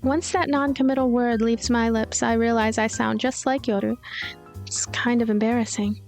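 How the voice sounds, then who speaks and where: A woman's voice: fairly high pitch, fairly even intonation, normal speed, a little mellow, soft background music. A woman reading a visual novel's story aloud as narrator, with light commentary of her own.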